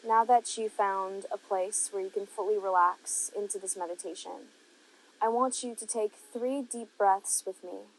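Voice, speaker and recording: A woman narrating a guided meditation, giving gentle, unhurried instructions with long pauses between phrases. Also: mid-range voice, steady tone, rough recording.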